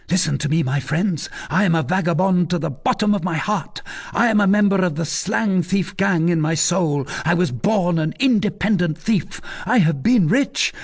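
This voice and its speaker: A man's voice: high-pitched, creaky, pitched above the performer's own voice, exaggerated voice. A man voicing a brash, drunken young scamp in an audiobook, boasting and declaiming boisterously. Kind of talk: theatrical audiobook character.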